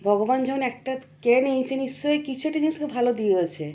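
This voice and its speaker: A young woman with a cold-roughened, hoarse voice, earnestly lecturing her viewers in a casual monologue and often checking in with them. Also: sits high, fast talker, warm tone. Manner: earnest, preachy, keeps checking in with the listener. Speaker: vlogger.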